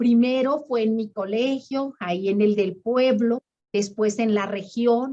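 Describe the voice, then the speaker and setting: Speaking very slowly, a woman uses a Mexican accent and a dark, mellow tone. Her pitch is fairly high and her intonation fairly even. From Mexico, Zacatecas. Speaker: judge. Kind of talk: interview.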